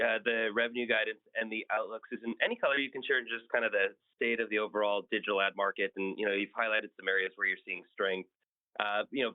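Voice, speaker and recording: A man's voice: fairly low pitch, no room sound. A man calling in as an analyst to ask a business question on an earnings call over a conference line. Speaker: analyst caller asking a question. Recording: dry, phone-like conference line.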